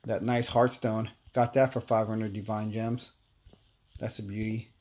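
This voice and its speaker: A man casually chatting with viewers while playing a game on a livestream, relaxed and talkative. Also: fairly low pitch, a little slow. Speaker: livestream gamer.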